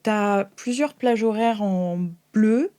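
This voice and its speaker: A woman's voice: mid-range voice, takes it slowly, warm tone, smooth. A woman narrating an improvised tabletop game as game master, in an informal, descriptive and hesitant way.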